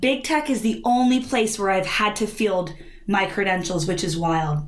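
A woman with an American accent, lively intonation and a moderate pace, amid noticeable background noise and audible room echo. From New Jersey. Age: 20s. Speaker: STEM instructional coach. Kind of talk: interview conversation.

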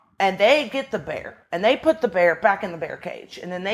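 Using an ordinary speaking voice, a woman speaks at a moderate pace with lively intonation. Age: 30s. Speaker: criminal defense lawyer. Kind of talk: interview conversation. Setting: her law office.

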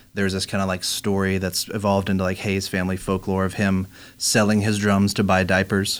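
In a monotone, flat intonation, a man talks at a fairly quick pace and a fairly low pitch. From Louisiana, near Baton Rouge. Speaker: touring drummer and tour manager. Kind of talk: casual interview chat.

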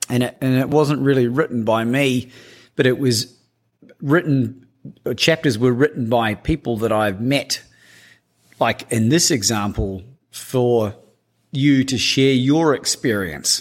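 A man with an Australian accent at medium pitch, ordinary pitch variation, a fairly slow pace and long, frequent pauses. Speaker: podcast host. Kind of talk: casual interview chat. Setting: video call.

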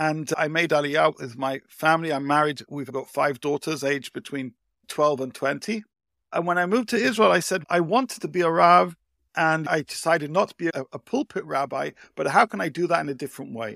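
A man with a British accent, fairly high-pitched, with a bright, sharp tone and lively intonation at a fairly quick pace, in a dry, close sound with no echo and a very clean recording over a silent background. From UK. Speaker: rabbi and educator. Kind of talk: interview conversation.

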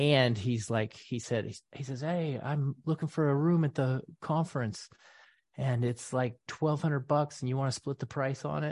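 A plain, everyday voice, heard dry and close with no echo against a quiet background, moves at a moderate pace with ordinary pitch variation. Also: man, medium pitch for a man. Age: 40s. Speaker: podcast host and trading educator. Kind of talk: interview.

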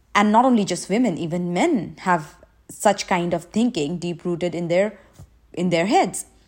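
A woman with an Indian accent speaks at a moderate pace, her fairly low pitch showing ordinary pitch variation. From India, remote town. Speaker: podcast host, corporate professional. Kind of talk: personal monologue podcast.

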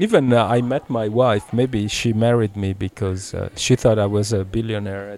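A man with an Italian accent speaks at a fairly low pitch and a moderate pace. Noticeable background noise is present. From Sardinia, Italy, partly raised in Switzerland. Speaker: pop art painter. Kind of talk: casual chat. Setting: outdoor street cafe. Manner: halting.

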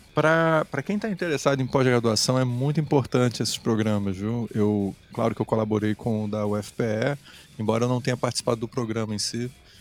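On a very clean recording with a silent background, the voice moves at a moderate pace with ordinary pitch variation. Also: man, medium pitch for a man. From Brazil, Recife. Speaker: design professor and podcast co-host. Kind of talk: casual chat.

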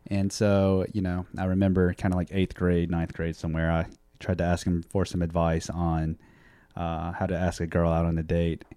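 With an American accent, the speaker has a dark, mellow tone and talks at a moderate pace in a flat monotone. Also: man, very deep, low pitch for a man. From US South, Meridian, Mississippi. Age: 30s. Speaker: podcast guest sharing life story. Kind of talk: personal testimony interview.

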